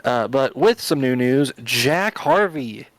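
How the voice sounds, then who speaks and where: A man's voice: medium pitch, expressive, takes it slowly, no room sound, poor audio. A man hosting a podcast in casual chat, explaining at length with lots of fillers and restarts. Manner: rambling, filler-heavy explaining. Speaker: podcast host.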